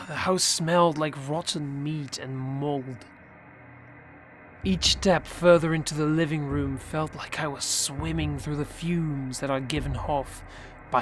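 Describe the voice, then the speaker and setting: A man reading a first-person horror story aloud, measured, dropping low and quiet at the tense parts. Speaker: narrator. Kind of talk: scripted horror story narration.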